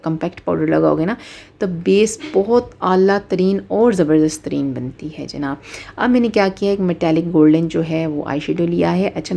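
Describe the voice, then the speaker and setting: Gravelly, mellow-voiced woman teaching makeup. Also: fairly low pitch. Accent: Pakistani Urdu. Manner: explanatory, repeats and rephrases with fillers. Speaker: makeup artist. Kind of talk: step-by-step makeup tutorial.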